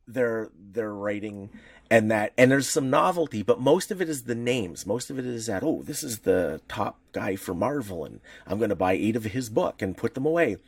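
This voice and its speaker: A man's voice: on the low side, lively intonation, moderate pace, gravelly, breathy edge, no echo. A man co-hosting a podcast in casual chat, talking loosely with restarts and the odd swear word. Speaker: podcast co-host.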